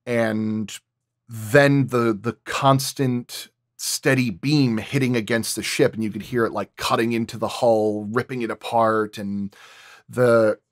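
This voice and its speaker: A man with a mid-pitched voice chats casually as a sound designer guest. He explains step by step, haltingly, working out his examples as he speaks. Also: steady tone. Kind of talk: casual roundtable talk.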